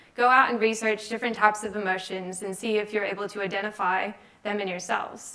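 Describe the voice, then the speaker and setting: Over noticeable background noise, a woman with an American accent talks at a very fast pace in a medium-pitched, monotone, flat delivery. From California. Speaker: software engineer and conference speaker. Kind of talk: conference talk.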